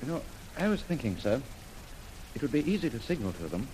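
An actor as an eager, polite young lieutenant. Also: male voice, medium pitch, big pitch swings, a little fast, darkish tone, lightly acted. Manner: polite, eager, keeps saying sir. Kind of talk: 1930s radio drama acting. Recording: noisy old radio recording.

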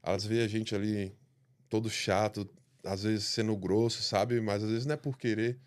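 A young man with a Brazilian Portuguese accent chats on a podcast in relaxed, slang-filled speech. His voice sits on the low side. He tells personal stories with open feeling. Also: moderate pace. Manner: slangy, heartfelt storytelling. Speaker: bodybuilder guest. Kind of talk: casual podcast chat.

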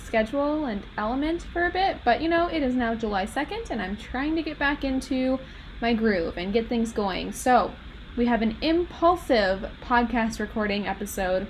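A young woman with a Minnesotan American accent and a slightly high voice hosts a podcast, talking in a candid, chatty, rambling, self-deprecating monologue. The audio is poor, with noticeable background noise.

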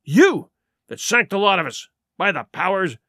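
A man performs a wily pirate sea cook from an adventure storybook. His voice rides high and swings widely in pitch, heavy with sarcasm and scorn. He argues in rustic nautical dialect, captured close and dry. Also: sing-song, moderate pace, pushed and bright, dry recording, heavily acted. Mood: indignant, vehement. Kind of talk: audiobook character acting.

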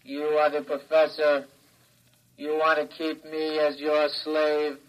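An actor playing an obedient childlike male robot who speaks flatly and repeats what he is told, in a vintage radio drama. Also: a little high, slow pace, dull audio. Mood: cold. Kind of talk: 1940s radio acting.

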